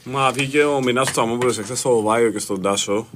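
A man's voice: medium pitch, very noisy. A man calling in to a radio show, speaking indignantly and correcting himself mid-phrase. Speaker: caller.

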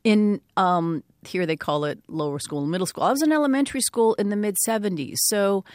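A Canadian-born woman in her fifties talks candidly as a radio guest, earnest and thoughtful, with many ums. Her voice sits at a middle pitch. The sound is close and dry, with no room around it. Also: brisk, a little mellow, no echo. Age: 50s. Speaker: guest, author. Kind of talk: radio interview, reflective storytelling.

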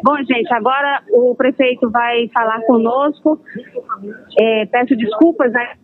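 A woman field reporter giving a live report with brisk, conversational reporting, heard over a crackly phone line. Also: on the high side, steady tone.

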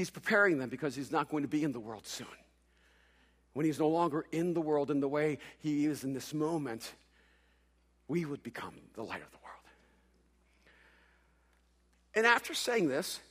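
Speaking with a fairly high pitch, a middle-aged pastor from El Salvador, a native Spanish speaker, delivers a sermon on a stage mic in a large church hall, moving from booming declarations down to near-whispers.

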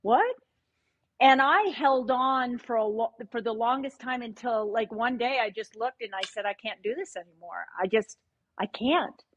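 A woman's voice: on the high side, normal speed. A middle-aged woman hosting a podcast, talking candidly and reflectively in casual chat, often restarting her sentences. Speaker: podcast host. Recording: dry, muffled lo-fi mic.

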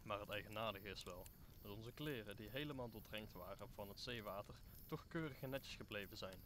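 A man's voice: on the low side, brisk, fairly bright tone, a little hiss or hum, natural voice. A man playing a talkative, optimistic old counsellor who speaks formally in an audio drama. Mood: earnest, reassuring. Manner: formal, speechifying. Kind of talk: Dutch audio drama acting of Shakespeare.

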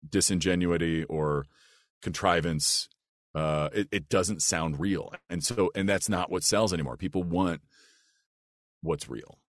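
A man with a big, low, rich voice who talks earnestly and thoughtfully as a voice actor guest in a casual podcast chat. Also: dry recording, studio quality. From United States. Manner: earnest and reflective, with restarts and "like".

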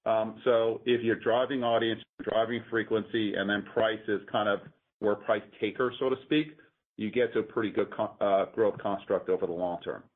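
A man speaking as a company executive, explaining things methodically and haltingly on an earnings call. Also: lowish voice, steady tone. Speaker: company executive answering analysts. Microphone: conference call line. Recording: muffled, narrow-band conference phone line.

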